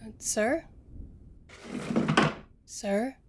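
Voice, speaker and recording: A woman playing a polite, timid cafe waiter in an audio drama, speaking in a halting, tentative way. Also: on the high side, heavy background noise. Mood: hesitant, confused. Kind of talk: audio roleplay acting.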